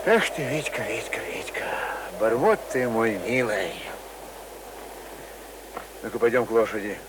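Hearty village man, swooping pitch. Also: expressive, a little slow. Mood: gruffly affectionate. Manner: gruffly affectionate, colloquial. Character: hearty, kindly village man teasing a boy affectionately. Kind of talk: Russian radio drama acting. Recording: radio drama with clear outdoor ambience noise.

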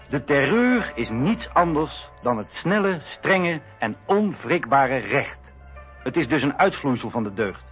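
An actor playing a stern revolutionary leader, giving an emphatic political oration in a radio drama. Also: male voice, fairly high pitch. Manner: emphatic, rhetorical. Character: stern, unbending revolutionary leader making a speech. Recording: dull radio recording. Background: music.

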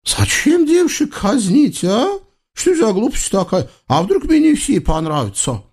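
A man voicing a fat, petulant eastern sultan who chatters in a high, childish voice full of "eh?" and "yes?". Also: sing-song, measured pace, darkish tone, breathy edge, exaggerated voice. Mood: whiny, indignant. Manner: high squealing voice, chatty tag questions.

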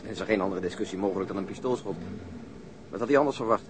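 An actor playing a sober, reflective policeman in a radio drama, measured and fatalistic in his delivery. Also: fairly low pitch, noisy background, lightly acted. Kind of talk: naturalistic radio drama acting.

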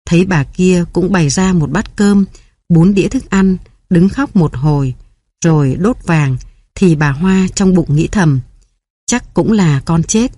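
A woman reading a story aloud in steady, measured audiobook narration. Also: lowish voice, no room sound. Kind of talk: scripted narration.

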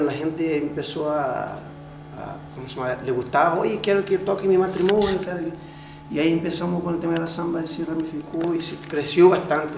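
A man's voice: fairly high pitch, darkish tone, a little hiss or hum. Brazilian man in his forties, echoey room. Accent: Brazilian Portuguese. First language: Portuguese. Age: 40s. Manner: hesitant, many restarts, laughs while telling stories. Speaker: interviewee, samba percussionist. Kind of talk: casual interview answers.

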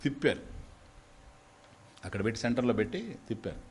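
A man delivers a spiritual discourse as a story. His pitch swings widely as he moves through the tale, and he drops English words into his talk. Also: fairly quick, slight background noise. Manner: animated storytelling, voices quoted characters with big pitch swings; mixes English words into speech. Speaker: spiritual teacher.

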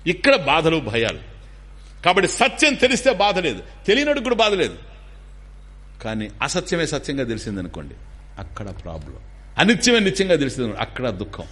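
A man giving a spiritual discourse, animated and acting out little dialogues while explaining terms. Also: mid-range voice, slightly rough. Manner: animated, acts out dialogues, mixes in English terms. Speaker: spiritual teacher.

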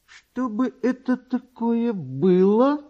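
A man's voice: very high-pitched, sing-song, slow pace, dull audio, voice pushed up, heavily acted. A man voicing a timid, hapless barber who mutters and pleads in bewilderment in a literary story. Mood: puzzled.

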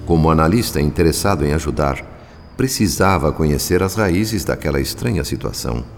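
A man narrating a radio drama in the first person as a reflective spirit analyst, measured and solemn in a literary storytelling manner. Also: a bass voice, animated, creaky, heavily acted. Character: reflective male spirit doctor, calm analyst. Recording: reverberant with background music.

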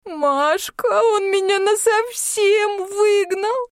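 A woman voicing a sobbing, high-pitched young woman. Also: slow pace, no echo, clean studio sound, exaggerated voice. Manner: wailing, sobbing outbursts. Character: distraught young woman friend, tearful and excitable.

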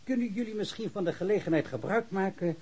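A man's voice: sits high, lively intonation, quick pace, darkish tone, slightly rough, exaggerated voice. A man acting an earnest, plain-spoken small-town policeman in a radio play, with a folksy manner. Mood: earnest pleading. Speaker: actor in a radio drama. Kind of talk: naturalistic radio play dialogue.

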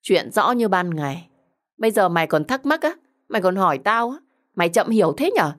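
A woman's voice: mid-range voice, very animated, fairly quick, close to an everyday voice. A woman voicing a cruel, treacherous young woman in an audio story, with a mocking, condescending and sarcastic manner. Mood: smug, mocking.

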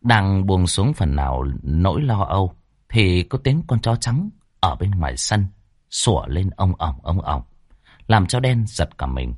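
Lively male horror storyteller. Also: deep voice, unhurried, no echo, clean studio sound. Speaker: narrator.

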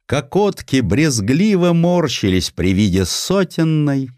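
Low-voiced man narrating with lively swings. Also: no echo, studio quality. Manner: theatrical, ironic storytelling. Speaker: audiobook narrator. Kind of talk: expressive narration of a satirical historical story.

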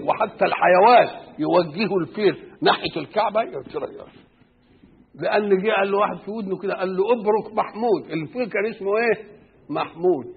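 A man's voice: a little high, creaky, a little hiss or hum. A man with an Egyptian Arabic accent teaching Quran exegesis, posing rhetorical questions and answering them himself. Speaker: religious scholar. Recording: tinny phone-like lo-fi recording.

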